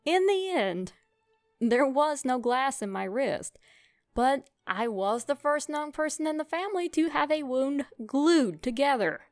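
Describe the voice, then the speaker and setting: A young woman narrating a comic childhood story in a wry, self-mocking, expressive way. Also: on the high side, clear, resonant tone, no room sound.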